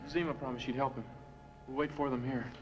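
An actor playing an earnest young space-adventure hero in 1950s B-movie style. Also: male voice, mid-range voice, fairly even intonation, brisk, close to an everyday voice. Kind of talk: 1950s science fiction B-movie acting. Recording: dull old film soundtrack, loud music.

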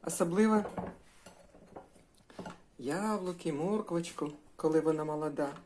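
A woman's voice: low voice, a little slow, warm tone, slight background noise. An older woman chatting in a homely way while she cooks breakfast, addressing her viewers as girls. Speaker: cooking vlogger. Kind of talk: casual cooking vlog.

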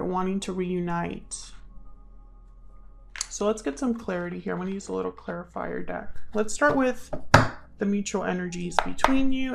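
A woman with a creaky, mid-pitched voice talks viewers through a tarot reading in a casual, musing way. She sometimes addresses spirit guides as she goes. Music plays faintly behind her. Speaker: tarot reader and channel host.

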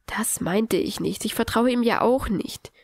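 A suspicious, grumbling teenage boy, as a woman puts him on, muttering his complaints low. The sound is dry and close. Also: unhurried, no echo.

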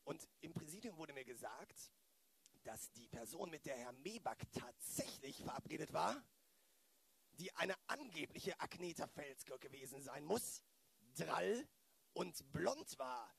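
A high-pitched, crackly-voiced police detective, acted by a man in a homemade radio play. He hesitates, repeats himself and gets excitable as he talks. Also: unhurried, creaky, breathy edge, heavily acted. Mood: intrigued. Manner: hesitant, repetitive, stammering. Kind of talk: improvised amateur radio play.

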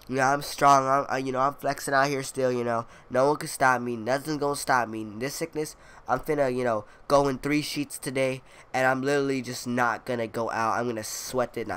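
A young man records gameplay commentary while clearly congested and coughing now and then. He rambles through his week in a loose, filler-heavy way, throwing in playful brags. Under the stuffiness his mid-pitched voice stays smooth. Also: fairly even intonation, fast talker, fairly bright tone. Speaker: gaming video creator. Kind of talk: casual commentary over gameplay.

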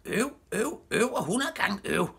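A man voicing a shrill, furious male crook in a children's audiobook. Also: sing-song, gravelly, pushed and bright, husky, heavily acted.

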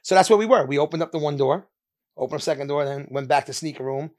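A man in his thirties from India, a podcast guest telling his story in a candid, animated way with quick laughs, speaking into a studio mic. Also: a little high. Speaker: podcast guest, sneaker store owner. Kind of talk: casual interview chat. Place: sneaker-lined studio, indoors. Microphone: mounted podcast mic with headphones.

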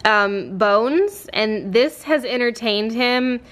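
A young woman who vlogs and runs a small shop chats casually into a camera mic from her home office, using lots of fillers and baby-talking to her puppy. Her voice is a little high and fairly bright, and she takes it slowly.

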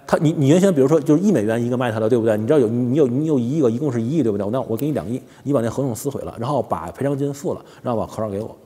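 A man's voice: medium pitch, animated, racing, few pauses, dark tone, husky, big-room sound. A man hosting a casual monologue, telling rambling stories and often checking in with "you know?". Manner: rambling storytelling, keeps asking "you know?". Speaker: host.

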